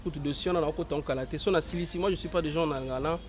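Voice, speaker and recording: A young man from Congo with a hoarse voice from a cold, answering interview questions outdoors in a halting, filler-heavy way. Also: on the high side, a little hiss or hum. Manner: hesitant, many fillers and restarts. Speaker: interview guest, actor. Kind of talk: casual interview, mixing French and Lingala.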